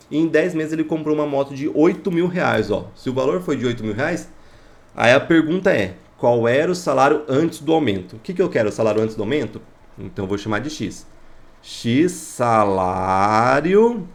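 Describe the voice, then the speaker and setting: A man's voice: fairly high pitch, a little mellow. A man with a Brazilian accent teaching math, explaining exercises step by step, posing questions and answering them himself, checking that listeners follow. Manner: didactic, asks himself questions then answers, checks understanding.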